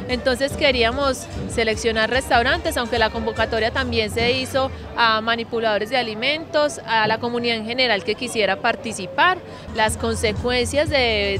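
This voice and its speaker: Young woman, nutritionist; measured, hesitant explanation over a background music bed. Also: fairly high pitch. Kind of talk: news interview. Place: outdoor town square event. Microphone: handheld interview mic.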